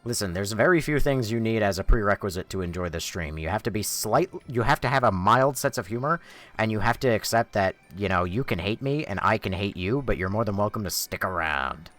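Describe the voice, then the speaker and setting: A young man streaming a game live, reading chat sarcastically and shrieking when the game scares him, his voice going hoarse. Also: fairly low pitch, animated, brisk, fairly bright tone, soft background music. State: losing his voice.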